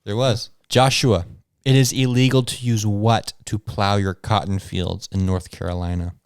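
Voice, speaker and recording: A man's voice: lowish voice, steady tone, normal speed, clean tone, no echo, studio quality. A man co-hosting a casual podcast, running a joking trivia game for his friends. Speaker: podcast co-host and quiz master.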